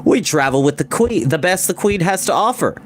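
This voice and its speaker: Storybook tinker acted by a man: playful courtly gentleman, reassuring, teasing, animated pitch. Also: fairly quick.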